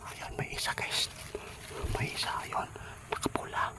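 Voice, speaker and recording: A man giving whispered gameplay commentary, hushed most of the time and breaking into loud, excited shouts. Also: unhurried. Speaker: gamer.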